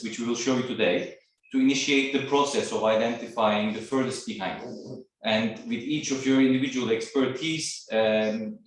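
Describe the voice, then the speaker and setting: A man from Turkey giving an online training presentation as trainer, talking hesitantly with many fillers. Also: mid-range voice. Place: video call. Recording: echoey room, far from mic.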